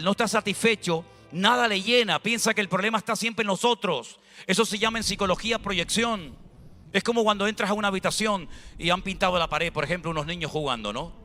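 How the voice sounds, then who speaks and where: Bright, high-voiced Spanish preacher man. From Spain. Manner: lively, colloquial storytelling with acted-out dialogue. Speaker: pastor. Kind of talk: sermon.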